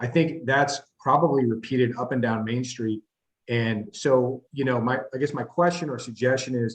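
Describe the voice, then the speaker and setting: At a moderate pace, a man with a normal speaking voice and an American accent talks at a medium pitch with fairly even intonation. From Springfield, Oregon. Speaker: public commenter, family business member. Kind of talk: public comment at hearing.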